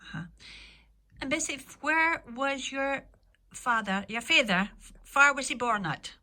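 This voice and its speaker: A woman's voice: sits high, animated, unhurried, bright, forceful tone. A woman from north-east Scotland with a Doric accent, interviewing informally in a chatty, encouraging way, often repeating and affirming. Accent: north-east Scottish Doric.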